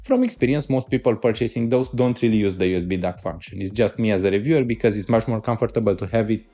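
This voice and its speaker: A man's voice: on the low side, quick pace, dark tone. A man with a Romanian accent giving a casual spoken gear review as a reviewer, explaining things emphatically and enthusiastically.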